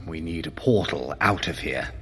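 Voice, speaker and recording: A man's voice: extremely low pitch, animated, moderate pace, pushed and bright, slightly rough, big-room sound, faint music behind, heavily acted. An actor playing a haughty, sly male trickster god in an audio drama, wry and theatrically imperious. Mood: wry, exasperated.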